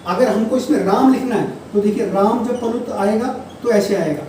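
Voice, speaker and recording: Hindi teacher, echoey and distant. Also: male voice, high-pitched, warm tone. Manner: explains patiently, repeats key terms and drawls examples slowly. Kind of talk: classroom-style lecture. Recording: distant mic, echoey room, faint noise.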